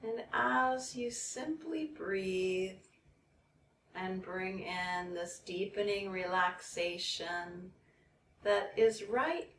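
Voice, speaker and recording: A woman leading a guided meditation in a soothing, measured way, leaving long pauses between phrases. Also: mid-range voice, a bit bright. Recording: roomy, distant mic, background noise.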